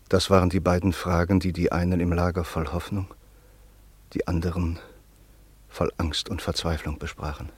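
Deep, husky, sombre narrator. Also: male voice, dry recording, exaggerated voice. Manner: grave, deliberate. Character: sombre male narrator recalling his friend's fate. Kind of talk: scripted radio drama narration.

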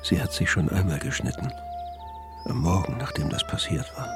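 A man narrating in the inner voice of a brooding, jealous husband in a radio play, measured and often whispered. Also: low-pitched, animated, music in the background.

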